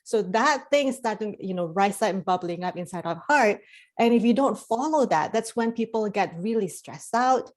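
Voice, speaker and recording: A woman's voice: mid-range voice, lively intonation, moderate pace. A middle-aged woman from Indonesia speaks as a guest in a casual interview. She rambles a little, with frequent fillers and restarts. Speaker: life coach and hypnotherapist guest.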